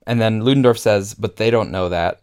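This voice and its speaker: A man with a low, smooth and resonant voice talks through a film scene in relaxed podcast chat. He sounds keen, with plenty of "like" and "um" along the way. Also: fairly quick. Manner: enthusiastic, frequent fillers and laughs. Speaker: podcast co-host. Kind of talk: casual film discussion.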